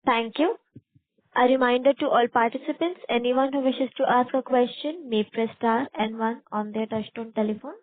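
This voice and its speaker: A woman with a fairly high voice reads scripted operator announcements for a conference call. It is dry, with the narrow band of a telephone. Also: dry recording. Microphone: telephone conference line. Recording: narrow dry phone line.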